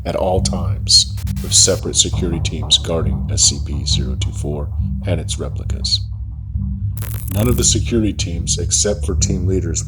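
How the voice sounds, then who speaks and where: Low-voiced man reading a formal case file. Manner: measured, formal document-reading delivery. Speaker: narrator. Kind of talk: scripted narration of a horror fiction case file, ASMR. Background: music.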